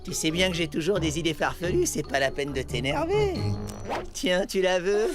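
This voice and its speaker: An actor playing an excitable, bickering, scatterbrained young male worker critter in a children's cartoon, with animated exclamations. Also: mid-range voice, moderate pace, music in the background, lightly acted. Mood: bickering, eager.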